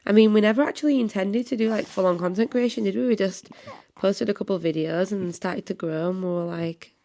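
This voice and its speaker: A woman's voice: mid-range voice, steady tone, brisk. A young woman with a Yorkshire accent, chatting casually and reading out viewer comments, laughing often. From Leeds, England. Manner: bright, laughing, reads comments aloud. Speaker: family content creator.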